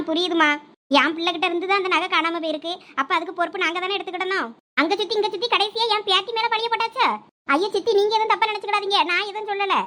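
Woman doing a scolding thoothukudi village lady, super high and quick, bright. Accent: Thoothukudi Tamil. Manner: scolding, rapid and shrill. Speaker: actor in village family drama. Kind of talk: village comedy sketch acting.

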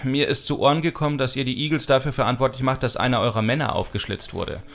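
An actor in a German radio play playing a firm, wary gang leader with a blunt, urgent delivery. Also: male voice, medium pitch, fairly even intonation, quick pace, vocal fry, natural voice. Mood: firm, formal.

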